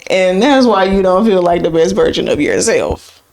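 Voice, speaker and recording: A woman co-hosting a podcast, talking in a casual, rambling, conversational way with lively emphasis. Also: lowish voice, moderate pace, creaky. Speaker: podcast co-host.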